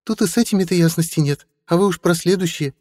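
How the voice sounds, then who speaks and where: A man voicing a flighty, playful young witch woman in a high chirping falsetto. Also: fast talker, darkish tone, no room sound, clean studio sound, in a large hall.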